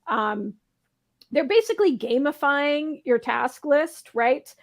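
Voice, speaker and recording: A woman hosting a talk show in a casual panel chat, a little hoarse, chatty and often laughing. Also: high voice, sing-song, slow pace. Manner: chatty, laughs often, asks rhetorical questions.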